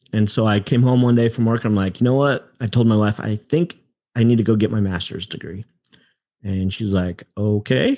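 At a moderate pace, a man talks in a dark, mellow tone with a fairly low pitch and ordinary pitch variation. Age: 40s. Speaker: achievement coach and podcast guest. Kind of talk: casual interview.

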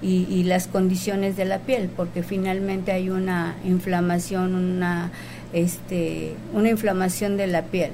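Over noticeable background noise, a woman with a medium pitch speaks at a very slow pace. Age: 50s. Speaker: cosmetologist. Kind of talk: interview.

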